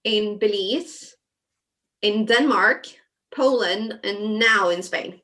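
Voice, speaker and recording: A woman from Sweden talking casually as a craft show guest over a video call, chatty with many fillers and soft asides. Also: mid-range voice, slow pace. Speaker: guest designer. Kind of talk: casual chat while crafting.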